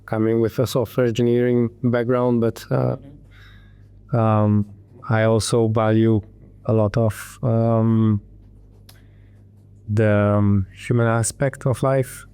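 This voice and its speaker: A man from Hungary in his thirties, a tech entrepreneur telling his story in an interview, halting with many ums and restarts. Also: on the low side, little pitch movement, mellow, smooth, no room sound.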